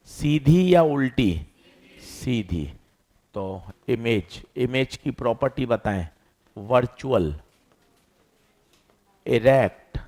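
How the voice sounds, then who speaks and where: A man teaching physics, lively, asking students questions and answering them himself. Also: mid-range voice. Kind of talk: classroom lecture.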